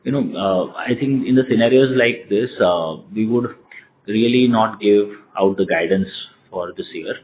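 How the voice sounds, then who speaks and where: Low-voiced Indian man on phone line. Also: normal speed, slight background noise. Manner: hesitant, repeats words and phrases. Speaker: company executive answering investors. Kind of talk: earnings call question and answer. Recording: band-limited phone conference line.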